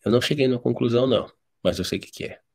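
A man's voice: mid-range voice, very fast, vocal fry, darkish tone, slightly rough. A man with a Brazilian Portuguese accent, preaching a live devotional sermon, telling stories bluntly and directly.

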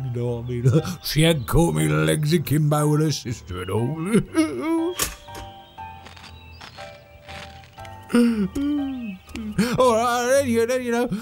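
An actor playing a chatty, cheerful manor servant in an audio drama, with a British accent and a rambling, stammering, chuckling delivery. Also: male voice, on the high side, vocal fry, darkish tone, heavily acted. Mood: wry, nostalgic, then animated, gossipy. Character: chatty, cheerful, oft-killed manor servant named Todd.

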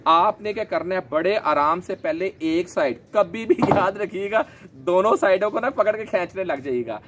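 A man, gently explaining his pigeon keeping in a casual vlog, a little hoarse from a sore throat. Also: high voice, animated, normal speed, a little hiss or hum. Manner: chatty, gentle, explains while handling birds. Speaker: pigeon keeper vlogger. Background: pigeons cooing.

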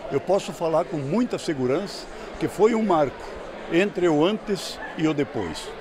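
Older Brazilian man, slightly high voice. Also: big pitch swings, measured pace. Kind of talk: news interview. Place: indoor event hall. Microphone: handheld reporter microphone. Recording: crowd murmur in event hall.

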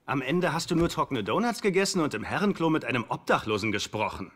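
A man's voice: fairly high pitch, animated, fast, fairly bright tone. An actor in a German sitcom dub, playing a boyish, teasing rich bachelor in his thirties with a playful, mocking manner. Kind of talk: German-dubbed sitcom dialogue. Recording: noisy dubbed TV soundtrack, laugh track.

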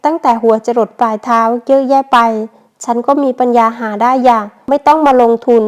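A woman voicing a hot-tempered, jealous young elder sister in a storybook, sharp and scolding. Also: sits high, a little fast, clear, resonant tone, close to an everyday voice. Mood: shrill angry.

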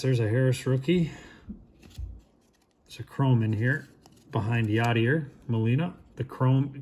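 A man in his thirties talks through pack openings in a relaxed, low-key way. He speaks slowly, naming each player with a short remark. A faint hiss sits under his close, indoor camera-mic sound. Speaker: card shop host opening packs. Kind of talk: casual card-opening commentary.

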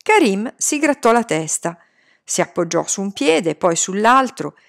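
A woman reading a novel aloud in an expressive storytelling manner. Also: unhurried, creaky. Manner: expressive storytelling, lively pitch. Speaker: audiobook reader. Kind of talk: scripted narration of a novel.

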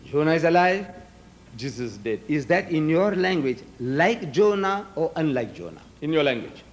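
In a large hall, an older debater whose mother tongue is Gujarati delivers an emphatic speech at the podium, aiming rhetorical questions at the audience. His voice is on the high side with big pitch swings and a moderate pace, recorded through podium microphones.

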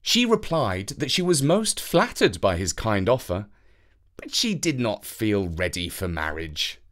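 A storyteller reading a scripted children's fairytale with expressive, careful phrasing. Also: medium pitch, a little slow.

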